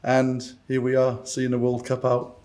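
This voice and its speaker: A man's voice: medium pitch, monotone, unhurried, a little mellow. A man with a Cardiff Welsh accent, chatting casually as a guest on a sports podcast. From Cardiff, Wales. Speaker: podcast guest, football fan leader. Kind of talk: casual chat.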